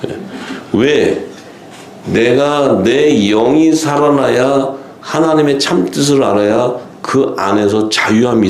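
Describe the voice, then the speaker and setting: A man preaching at a seminar, animated and laughing as he acts out quoted lines. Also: mid-range voice, roomy sound, slight background noise. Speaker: pastor. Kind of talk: seminar sermon.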